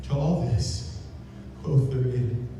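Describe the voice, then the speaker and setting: A man giving an impassioned theatrical recitation of gothic poetry as a tormented, grieving figure, swinging between hushed and shouted delivery, at a live event. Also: mid-range voice, fairly even intonation, slow pace. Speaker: live storyteller-actor. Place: live event in a large reverberant indoor room. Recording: echoey hall from far off, faint noise.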